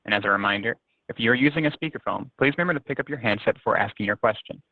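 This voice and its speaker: A man's voice: mid-range voice, very fast, no echo. A man working as a conference call operator, giving scripted instructions to callers. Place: telephone conference line. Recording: dry, narrow phone line.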